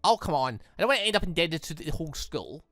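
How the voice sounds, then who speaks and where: A man's voice: fairly high pitch, sing-song, fast talker, a bit bright, no echo, faint music behind. A man voicing a sceptical, mildly exasperated newcomer student in a visual novel. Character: sceptical, questioning newcomer student being shown around. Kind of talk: visual novel dialogue read aloud.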